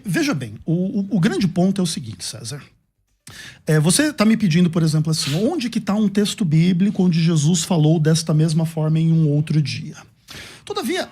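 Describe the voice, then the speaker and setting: A man giving a measured, formal rebuttal in a theological debate. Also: fairly high pitch, a little mellow, husky.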